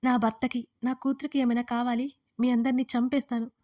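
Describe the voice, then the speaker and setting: A woman voicing a furious, desperate mother who shouts threats and accusations in a dramatic audio story. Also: a little high, little pitch movement, a little fast, lightly acted. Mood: furious, threatening.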